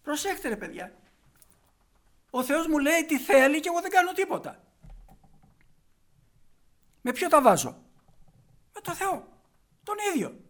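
A man preaching a sermon emphatically, asking the congregation rhetorical questions and moving between hushed asides and loud stressed points. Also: extremely high pitch, big pitch swings, long pauses.

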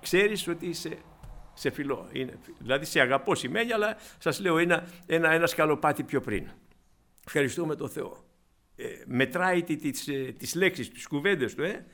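A man with a fairly high voice preaches a sermon. He keeps asking his listeners questions and moves from quiet, confiding asides to loud, pleading cries. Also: animated. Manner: swings between soft asides and loud emphatic cries; rhetorical questions to the congregation.

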